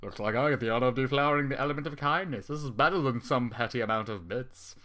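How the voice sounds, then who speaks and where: A man's voice: medium pitch, quick pace, fairly bright tone, natural voice. A man voicing a cruel, lecherous male pony in a story reading, drawn out and mocking. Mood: leering.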